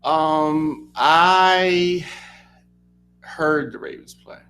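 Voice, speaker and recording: A man co-hosting a casual sports talk radio show, relaxed and easygoing, pausing often with ums. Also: on the high side, faint music behind, rough recording. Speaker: co-host.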